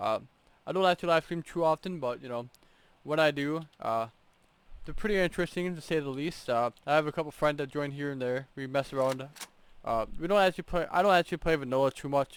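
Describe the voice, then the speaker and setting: A man speaking quietly at a very fast pace, his fairly high voice showing ordinary pitch variation. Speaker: gaming YouTuber. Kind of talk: gameplay tutorial.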